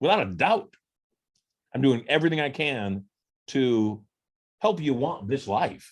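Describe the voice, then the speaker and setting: A man with an animated tone speaks at a fairly slow pace and a medium pitch, his voice swinging very widely in pitch, with long, frequent pauses. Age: 60s. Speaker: motivational speaker. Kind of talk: sales pitch. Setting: webinar.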